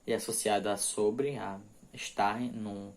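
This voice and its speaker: A man teaching English prepositions, reading example sentences slowly and explaining them quickly, often checking in with "ok?". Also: lowish voice, steady tone. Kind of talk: bilingual grammar lesson.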